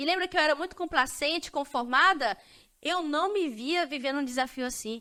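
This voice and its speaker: In a raised, projected voice, a woman speaks at a high pitch and a moderate pace with a bright, sharp tone. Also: ordinary pitch variation. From Brazil, Maranhão. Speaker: podcast guest, university student. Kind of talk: personal testimony in interview.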